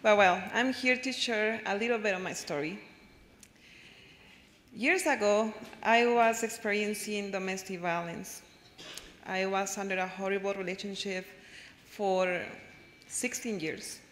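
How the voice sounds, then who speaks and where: A woman's voice: medium pitch, steady tone, measured pace, pauses often, a bit bright. A woman with a Mexican Spanish accent gives an earnest, openly nervous keynote about her own story. Her voice rings in an echoey hall with a long tail of reverb. A faint noise sits under it. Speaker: keynote speaker. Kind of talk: personal testimony speech.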